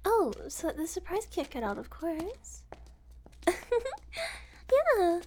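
A woman's voice: extremely high pitch, sing-song, slow, a little hiss or hum, heavily acted. A woman playing a giggly, unhinged young woman kidnapper who teases and whispers asides in a sweetly menacing way. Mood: playful teasing. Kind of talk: audio roleplay acting.

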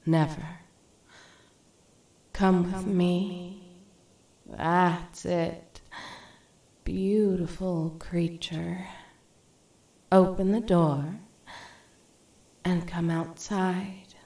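A woman voicing a domineering, possessive fae queen, speaking in breathy whispers and giving commands. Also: fairly low pitch, fairly even intonation, very slow, long pauses, mellow, dry recording, heavily acted. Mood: seductive, menacing. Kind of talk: audio roleplay.

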